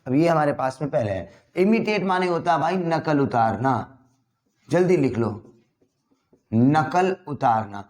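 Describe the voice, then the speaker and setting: A man's voice: a little high, very animated, normal speed, a little mellow. A man teaching an English vocabulary lesson to a class, drilling words by repeating them and checking in with his students.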